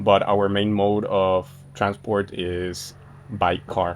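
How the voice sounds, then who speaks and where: A man with an American accent speaks in a normal speaking voice. His pitch is fairly low, his intonation fairly even. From northern Mexico, Monterrey. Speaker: university student interviewee. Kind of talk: casual interview.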